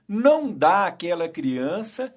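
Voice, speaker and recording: A male radio host, telling an animated story in casual chat. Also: high voice, slow. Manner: animated storyteller, acts out scenes. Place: radio studio.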